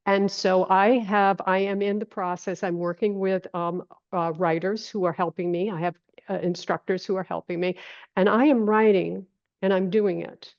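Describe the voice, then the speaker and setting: A woman's voice: mid-range voice, steady tone, moderate pace, a little mellow, no echo, muffled recording. A woman in her seventies from coastal Maine, answering as an interview guest in a conversational way, repeating phrases for emphasis. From island off the coast of Maine, USA. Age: 70s. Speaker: podcast guest, holistic health teacher.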